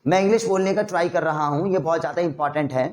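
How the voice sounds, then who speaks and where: A man with an Indian accent teaching a spoken English lesson, mixing Hindi with English and coaxing learners through rapid drills. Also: fairly high pitch. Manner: energetic, coaxing drill instructor.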